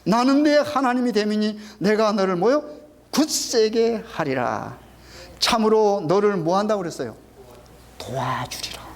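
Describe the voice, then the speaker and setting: A man's voice: high-pitched, fairly quick, hardly any pauses. A middle-aged male pastor preaching a sermon, quizzing the congregation with frequent questions and emphatic repetition. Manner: call-and-response questioning, emphatic. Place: church sanctuary.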